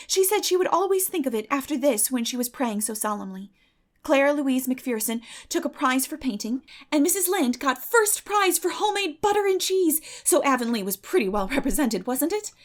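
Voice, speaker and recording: A woman voicing a chatty, earnest country girl full of romantic fancies in an audiobook story. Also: high voice. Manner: gushing, wordy, earnest. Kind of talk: dramatic audiobook character reading.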